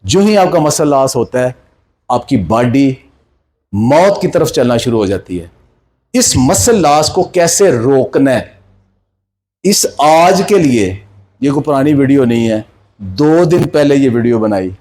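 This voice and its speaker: A man's voice: medium pitch, lively intonation, a little slow, pauses often, warm tone. A man in his sixties with a Pakistani Punjabi accent gives an informal health lecture, exhorting listeners in colloquial speech mixed with English terms. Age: 60s. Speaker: health speaker.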